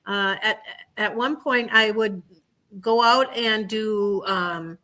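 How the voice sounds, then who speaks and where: A woman state senator talking casually on a radio show, steady and thoughtful with frequent fillers. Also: mid-range voice. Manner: warm, measured, many fillers.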